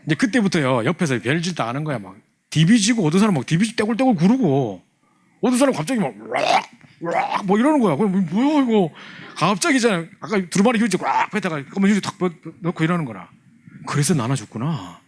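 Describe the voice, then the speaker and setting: A man telling a humorous testimony to a church class, acting out his younger self. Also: high-pitched. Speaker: church youth leader teaching a training class.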